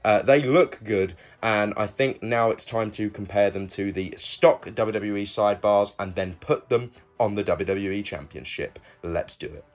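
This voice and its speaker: A man's voice: fairly low pitch, normal speed, few pauses. A young man giving a casual, conversational product review, talking directly to his viewers. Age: young adult. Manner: conversational, addresses viewers as guys. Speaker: video reviewer and host.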